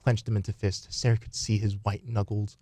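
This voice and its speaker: A man's voice: fairly low pitch, little pitch movement, a little fast, dark tone, dry recording. A man reading scripted story narration as the narrator of a radio play.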